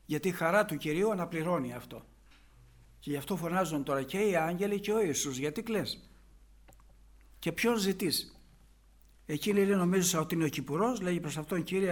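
A man preaching a sermon, retelling a gospel passage and explaining it with rhetorical questions. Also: a little high.

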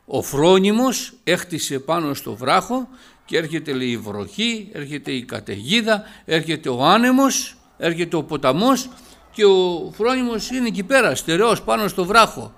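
A man preaching a sermon, lively and rising to loud emphatic passages. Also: fairly high pitch.

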